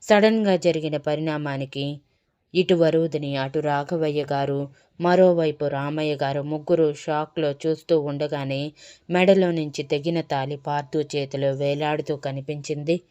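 A woman narrating a romance story serial in a dramatic, even-paced storytelling manner. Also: low-pitched, normal speed, smooth.

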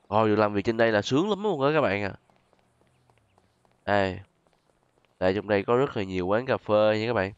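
A man's voice: mid-range voice, clean tone, no echo, highs cut off. A man with a southern Vietnamese accent giving chatty, exclamatory gameplay commentary and often addressing his viewers. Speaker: gaming YouTuber host. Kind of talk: casual gameplay commentary with role-play.

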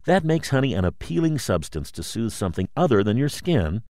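A man reading a scripted promotional explainer as a voice-over, in a polished, measured announcer's manner. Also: mid-range voice, big pitch swings, darkish tone, dry recording, studio quality. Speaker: voice-over narrator.

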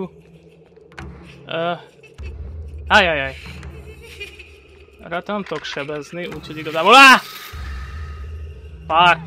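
A man commentating his horror game playthrough, excitable, swearing often and yelling when startled. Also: sits high, slight background noise. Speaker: gameplay commentator. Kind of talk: horror let's play commentary.

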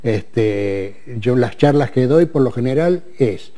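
A man's voice: mid-range voice, expressive, takes it slowly, warm tone. Hesitant Argentine man in his eighties. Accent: Argentine Spanish. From Córdoba, Argentina. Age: 80s. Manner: hesitant, many fillers and restarts. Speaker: interview guest, retired military man. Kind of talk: casual interview. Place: TV studio. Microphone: lapel.

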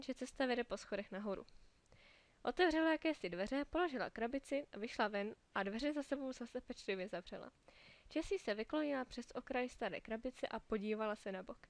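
A woman with a voice on the high side reads a children's storybook aloud, clear and lively, giving each character a small voice of its own. The recording has no echo.

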